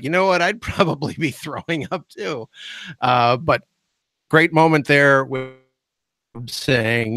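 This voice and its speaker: A man's voice: fairly high pitch, pushed and bright, no room sound. A man as guest host of a podcast, gushing with enthusiastic fan praise in casual chat.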